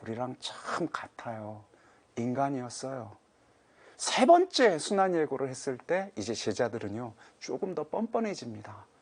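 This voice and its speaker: A man in his fifties, a Catholic priest, giving a lecture-style sermon and acting out quoted voices, moving from loud urging to hushed, low lines. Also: normal speed. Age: 50s. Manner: animated, voicing Jesus and Peter in quotes, swings between loud and hushed.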